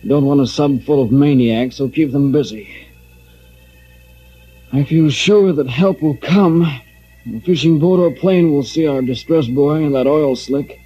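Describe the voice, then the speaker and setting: An actor playing a steady, commanding submarine captain in a 1940s radio drama. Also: male voice, on the high side, a little slow, husky, soft background music. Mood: firm. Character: firm male submarine captain. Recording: dull lo-fi old radio transcription.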